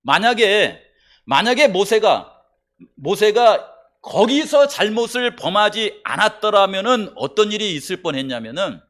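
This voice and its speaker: A pastor preaches a sermon to his church congregation in a voice fairly high for a man, sing-song and a little slow. He keeps it conversational, tossing questions to the listeners. He swings between loud, emphatic bursts and low, quiet asides.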